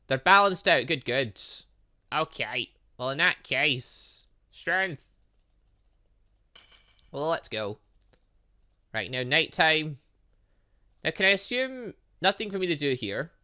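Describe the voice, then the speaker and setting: A man hosts a gaming let's play in a bright, forceful voice. His pitch moves about a lot as he rambles through his thoughts and switches between reading text aloud and commenting on it. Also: very animated, takes it slowly, long pauses. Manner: rambling, thinking out loud. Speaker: gaming channel host.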